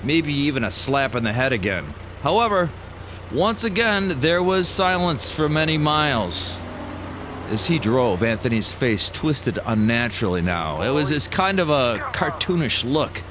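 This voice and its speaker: A man narrating a scripted personal story with dramatic pauses and wry amusement, as a storyteller recalling his own past. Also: medium pitch, big pitch swings, noisy background. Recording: music behind the voice. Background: music bed.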